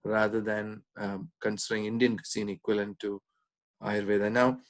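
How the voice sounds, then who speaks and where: A man with a fairly low voice gives an informal lesson. He explains things in a measured way, often pausing to search for the next word, like a doctor talking through common questions. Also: level tone. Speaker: Ayurvedic doctor giving a diet talk.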